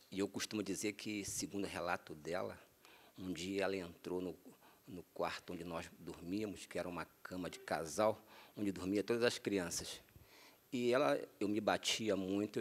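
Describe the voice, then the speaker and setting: A man from Minas Gerais with a low, deep voice gives his testimony in a television interview. He speaks slowly and earnestly. He often circles back and repeats words as he recalls his past. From Minas Gerais, Brazil. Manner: slow, earnest storytelling with frequent repetitions. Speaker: interview guest.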